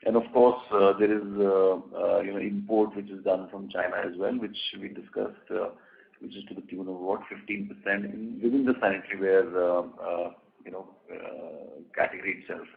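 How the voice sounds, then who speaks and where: A man speaking as a company executive, answering questions on an earnings call in careful, halting phrases. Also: low voice, fairly even intonation, vocal fry. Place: telephone conference call. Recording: narrowband phone line.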